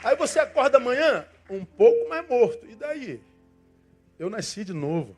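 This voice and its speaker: An older man with a Brazilian Portuguese accent, preaching a sermon with passion, swinging from loud emphasis to soft asides. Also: very high voice, sing-song, normal speed, soft background music, some chatter behind. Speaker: pastor.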